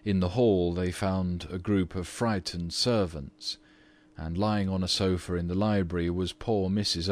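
A man narrating a classic story in a measured, even reading voice. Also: low-pitched.

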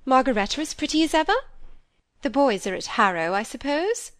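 A woman's voice: high-pitched, sing-song, fairly quick, dry recording, voice pushed up. A woman voicing a fussy, self-pitying middle-aged stepmother who complains and talks over others, with a dry, close sound. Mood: fussing.

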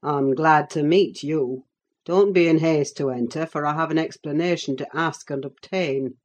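A woman voicing a cold, scornful middle-aged man who speaks slowly and deliberately in an audiobook. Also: sits low. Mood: menacing. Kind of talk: audiobook character reading.

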